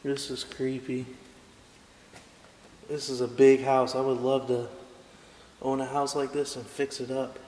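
A man's voice: medium pitch, little pitch movement, unhurried, pauses often, dark tone. A young man exploring an abandoned house, talking to his camera, awed and jumpy, sometimes calling out and sometimes whispering, recorded on a handheld camera mic. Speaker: urban explorer. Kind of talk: exploration vlog narration. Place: large empty abandoned house, indoors. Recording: echoey empty rooms with faint hiss.

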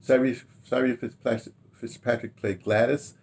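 An older man with an American accent, reminiscing casually to camera in a rambling, halting way, repeating words as he goes. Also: medium pitch, steady tone, vocal fry, darkish tone, a little hiss or hum. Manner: rambling, halting delivery, repeating words, checking notes aloud. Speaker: radio drama producer recalling past productions. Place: small book-lined room at home, indoors.

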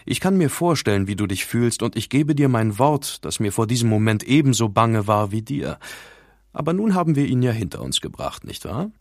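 A man's voice: medium pitch, sing-song, a little fast, no room sound, clean studio sound. A man doing a smug, mocking rival. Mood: smooth. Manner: taunting, with mock surprise. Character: smug, mocking male rival, a vain show-off.

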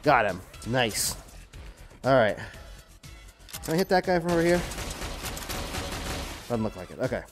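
A man's voice: medium pitch, very animated, measured pace, long pauses. A man giving casual, exclamatory commentary as he plays a video game, muttering short repeated phrases and mild, clean exclamations to himself. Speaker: gaming video host. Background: game music and sound effects.

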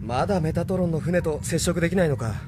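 A man's voice: a little high, animated, quick pace, noisy background, natural voice. An actor playing a young man new to space, sounding bewildered and earnest. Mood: unsettled. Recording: music bed under the voice.

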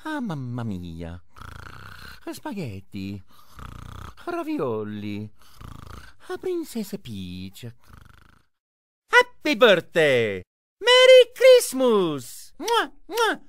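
A woman's voice: high-pitched, huge pitch swings, slow pace, a bit bright, slight background noise, exaggerated voice. A woman voicing a cheerful adult male Italian plumber hero in a video game, with an exaggerated Italian accent and a playful, exclamatory manner. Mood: cheery.

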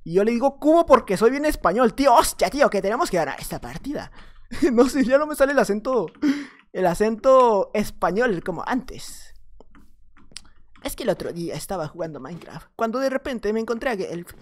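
A man with a Mexican accent giving playful, jokey gameplay commentary, swinging between loud excited outbursts and low mumbles. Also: normal speed. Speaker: gaming YouTuber.

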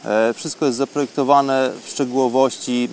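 Man's halting spoken diary, faint background noise. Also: medium pitch, steady tone, darkish tone. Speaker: radio programme host. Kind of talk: unscripted spoken travel diary monologue.

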